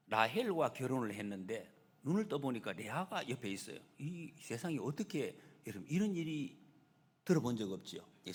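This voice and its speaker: A male pastor preaching a sermon, lively and expressive, at times acting out a quoted figure's cries. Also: medium pitch, husky. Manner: animated preaching, acts out a quoted figure's shouts. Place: church sanctuary. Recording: long church hall reverb.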